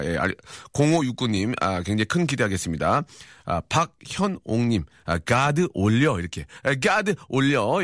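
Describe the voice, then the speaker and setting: Fast-talking joking man hosting live radio. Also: medium pitch, no echo, clean studio sound. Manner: fast, joking, teasing banter with frequent fillers. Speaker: radio host. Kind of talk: live radio show reading listener texts. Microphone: studio microphone.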